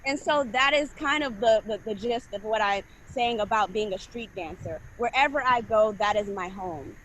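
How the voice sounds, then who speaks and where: A woman's voice: medium pitch, moderate pace, a bit bright, a little hiss or hum, rough recording. A woman on a dance panel, talking casually and with animation, laughing as she addresses the others as y'all. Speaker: panelist, scholar and street dancer.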